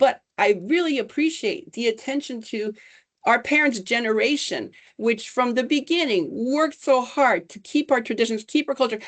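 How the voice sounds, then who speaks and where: Over a quiet background, a woman speaks in a high pitch at a moderate pace. Her intonation is lively. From United States. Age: 60s. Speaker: panel co-host and interpreter. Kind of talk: panel discussion with consecutive interpreting. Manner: halting.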